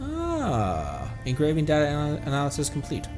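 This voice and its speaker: A man's voice: fairly high pitch, wildly swooping pitch, moderate pace, over music. A man streaming a video game, reading its text aloud with asides and stumbling over long words.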